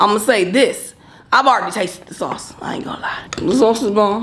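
Here a woman is talking. She keeps a moderate pace. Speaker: mukbang host. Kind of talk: casual vlog chat. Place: kitchen. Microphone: phone near.

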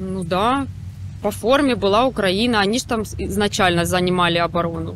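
A woman talks at a moderate pace with lively intonation, the sound dry with no echo over light background noise. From Mariupol, Ukraine. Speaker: local resident. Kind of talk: street interview. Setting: outdoors on the street. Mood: subdued, weary. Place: street. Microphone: handheld.

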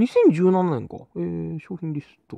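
A man speaks in a dry, close sound with no echo. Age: 20s. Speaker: model train YouTuber. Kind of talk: casual product news commentary. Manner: halting with frequent fillers.

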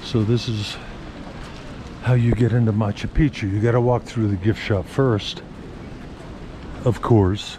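In a dry recording with no echo, a man speaks with fairly even intonation and long, frequent pauses while noticeable background noise plays. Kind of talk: casual vlog chat. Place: market. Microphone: phone near.

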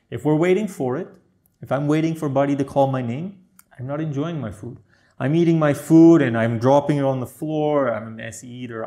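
A dark, mellow tone at a fairly quick pace, with ordinary pitch variation, big swings in loudness and a quiet background. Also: man, fairly high pitch for a man. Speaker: meditation teacher. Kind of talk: guided meditation. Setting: video. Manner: warm, gentle. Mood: calm, warm, explanatory. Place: home room. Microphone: lapel.

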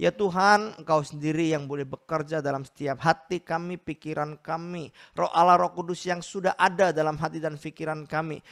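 A man's fairly high voice moves at a moderate rate over a quiet background. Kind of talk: sermon and Bible teaching, online. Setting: online video call or livestream. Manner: animated, conversational. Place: home room. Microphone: handheld.

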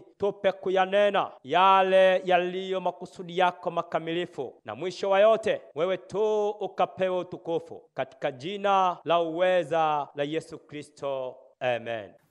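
A man speaks in a high pitch with ordinary pitch variation. His pace is fairly slow, and the background is quiet. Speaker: youth pastor radio host. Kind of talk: prayer then radio sermon introduction. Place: studio.

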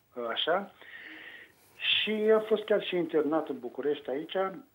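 A man is speaking. His intonation is lively. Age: 60s. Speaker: TV viewer caller. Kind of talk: call-in question. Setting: phone call. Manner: halting.

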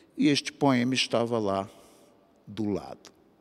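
Delivered fairly slowly, the speech carries ordinary pitch variation. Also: man. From Brazil, Pernambuco (Northeast, sertão). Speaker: writer. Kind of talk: recorded testimony. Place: hall. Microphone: handheld.

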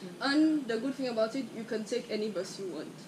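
Noticeable background noise accompanies the woman as she talks. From Caribbean (Saint Lucia). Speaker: YouTuber. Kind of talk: casual chat. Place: home room. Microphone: camera far.

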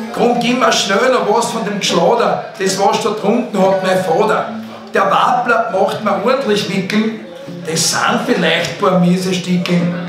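A man speaks at a fairly slow pace in a high voice with a Viennese accent and ordinary pitch variation. Noticeable background noise and audible room echo are present. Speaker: performer reading a poem. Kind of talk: dialect verse performance at open stage. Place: bar.

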